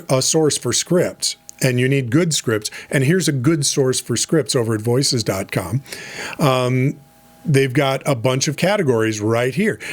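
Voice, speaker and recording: A middle-aged man giving a relaxed, conversational lesson as a voice over coach, with fillers and asides. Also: mid-range voice. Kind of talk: casual instructional talk.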